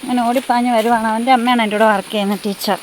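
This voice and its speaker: High-voiced woman chatting on a farm walk. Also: fairly even intonation, rapid-fire, slight background noise. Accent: central Kerala Malayalam. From Thodupuzha, Kerala. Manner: chatty, coos and calls out to animals. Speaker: vlogger. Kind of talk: casual walking vlog. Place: outdoors on a rural farm path.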